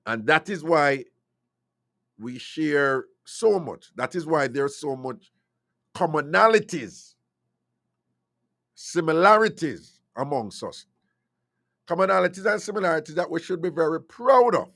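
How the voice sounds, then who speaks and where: A man's voice: a little high, animated, measured pace, creaky, pauses often, fairly bright tone, no room sound, studio quality. A Jamaican man hosting a call-in radio talk show, opinionated and slipping into patois.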